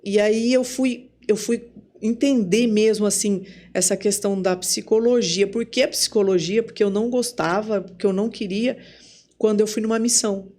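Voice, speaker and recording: A woman's voice: mid-range voice, steady tone, normal speed, mellow. Brazilian woman, podcast guest and psychologist, mid-range voice, chatty storyteller who acts out the dialogue. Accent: Brazilian Portuguese. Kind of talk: casual spoken testimony.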